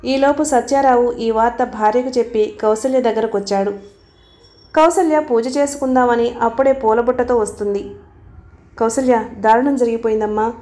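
A woman's voice: fairly high pitch, darkish tone. A woman narrating a novel as an audiobook, reading the characters' dialogue within the story.

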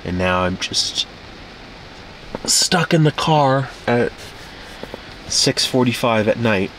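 A man in his thirties speaks slowly yet animatedly in a slightly bright voice, recorded on a camera close by inside a parked car at night. His casual solo vlog is glum, low-key, and self-mocking. The low-quality recording has a little hiss or hum.

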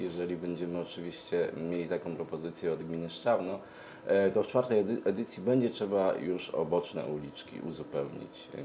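A middle-aged man answers interview questions hesitantly, pausing often mid-sentence. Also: sits low, mellow, a little hiss or hum. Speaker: event organizer, interview guest. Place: TV studio, seated at a glass desk. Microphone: lapel mic.

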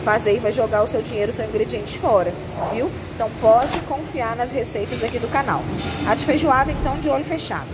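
A woman's voice: a little high, quick pace, loud music behind the voice, poor audio. A Brazilian woman hosting a cooking channel, walking along a restaurant buffet and explaining the dishes in a chatty, instructive way, recorded on a handheld phone. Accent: Brazilian Portuguese. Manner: chatty and instructive, checking in with viewers. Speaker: restaurant owner's family and cooking channel host. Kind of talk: walkthrough vlog of a buffet. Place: indoor self-service restaurant buffet. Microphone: handheld phone while walking. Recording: restaurant ambience behind the voice.

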